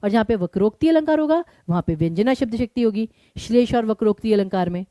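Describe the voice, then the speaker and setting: A woman teaching an online exam-prep lesson, quizzing her students and explaining each answer briskly. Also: fairly high pitch, expressive, dark tone, no room sound, clean studio sound.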